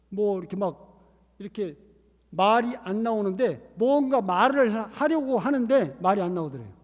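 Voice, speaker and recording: Man, missionary preacher, earnest sermon storytelling, high voice, reverberant church hall. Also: a little mellow. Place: church sanctuary.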